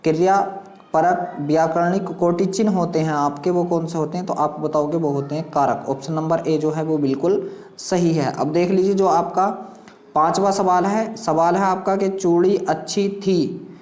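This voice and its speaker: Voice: mid-range voice, fairly even intonation, moderate pace, darkish tone. A teacher explains a practice quiz, reading out questions and options and addressing learners directly with repeated instructional phrases. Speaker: exam coaching teacher. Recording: echoey room sound.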